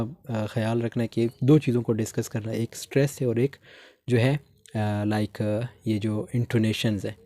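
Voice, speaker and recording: A young man teaching a stylistics lesson, explaining in Hindi and slowly reading out notes. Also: medium pitch, warm tone, no room sound. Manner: mixes Hindi explanation with slow reading of English text.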